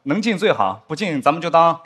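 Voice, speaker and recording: A young adult man performing a stand-up comedy set on a studio stage, animated, now and then acting out stiff drama lines in a lower voice. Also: fairly quick, husky. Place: studio stage with live audience. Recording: studio stage with audience laughter. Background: audience laughter.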